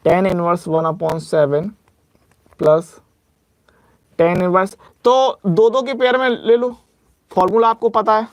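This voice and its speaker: A man's voice: sits high, no echo. Man, maths teacher, exam-prep lecture, step-by-step dictation, repeated reminders, dry close-miked sound. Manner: drills reminders, works sums aloud step by step; slows to dictate formulas, speeds up for asides.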